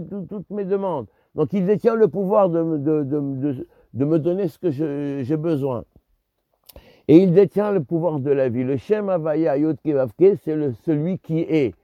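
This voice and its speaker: A man's voice: a little high, dry recording, highs cut off. Hesitant man teaching Jewish law. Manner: hesitant, many restarts, Hebrew terms mixed in. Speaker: Torah teacher. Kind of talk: religious lesson on Jewish law.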